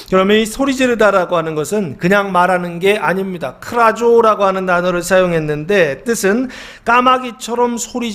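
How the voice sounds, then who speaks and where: A middle-aged male pastor preaching a sermon, asking the congregation questions and answering them himself, slowing down to stress words and sometimes shouting. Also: high-pitched. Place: church sanctuary.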